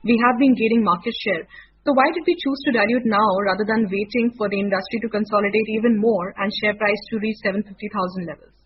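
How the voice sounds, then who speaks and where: A woman moderates a conference call, putting investor questions politely. She talks quickly and in a businesslike way. The speakerphone line is muffled, with faint noise. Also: medium pitch, steady tone.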